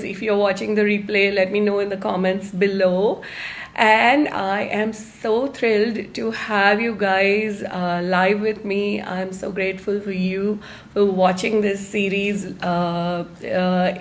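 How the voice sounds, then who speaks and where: A woman hosting a live online self-help talk, speaking to her viewers in a halting, deliberate way with stressed phrases. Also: medium pitch. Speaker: host of a live-streamed self-help series.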